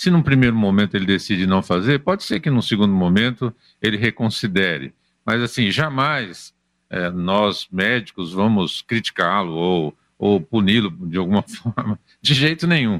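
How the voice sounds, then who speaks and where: This man has a normal speaking voice with fairly low pitch and lively intonation at a moderate pace. The recording is very clean with a silent background and a dry, close sound with no echo. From Brazil, Paraná (Iporã area). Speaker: urologist. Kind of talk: radio talk show interview. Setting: radio studio.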